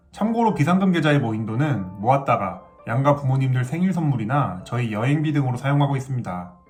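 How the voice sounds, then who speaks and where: A man with a fairly high voice talks at a fairly quick pace, his pitch swinging very widely amid audible room echo. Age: 30s. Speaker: finance YouTuber, office worker. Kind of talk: scripted narration. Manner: formal.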